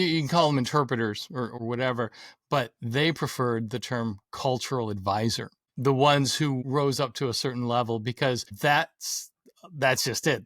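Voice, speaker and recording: A man's voice: medium pitch, a bit bright, dry recording, clean studio sound. A middle-aged man hosting an interview podcast, asking questions and sharing his own stories. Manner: engaged, shares own anecdotes. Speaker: podcast host.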